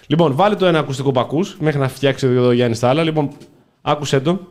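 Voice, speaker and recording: A man co-hosting a satirical chat show, animated and rambling in mock-patriotic tones. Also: medium pitch. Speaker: podcast co-host.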